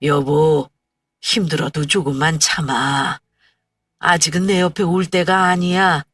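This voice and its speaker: A woman's voice: deep voice, steady tone, unhurried, a bit bright, breathy edge, no echo, exaggerated voice. A woman voicing a hot-tempered older husband who barks and scolds but means well. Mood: soothing. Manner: barking, scolding, then soothing. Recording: dry, far from mic, faint music.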